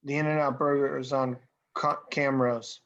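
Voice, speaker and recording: A woman's voice: extremely low pitch, level tone, measured pace. Laid-back, grumbling slacker guy played by a woman, casual and sweary, lo-fi sound. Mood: grumpy, baffled. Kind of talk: virtual table read of a film script. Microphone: video call.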